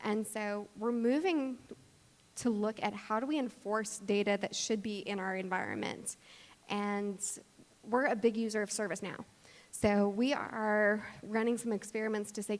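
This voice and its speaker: A woman speaks as a conference presenter, explaining her work in a structured, explanatory way. Her pitch sits in the middle range for a woman. The sound carries the long reverb of a big hall. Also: fairly even intonation, moderate pace. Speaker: conference speaker, cloud cost practitioner.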